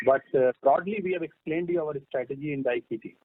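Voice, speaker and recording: A man with an Indian accent, a company executive giving measured answers to analysts on a conference call. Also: a little high. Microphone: phone conference line. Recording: narrowband phone conference line.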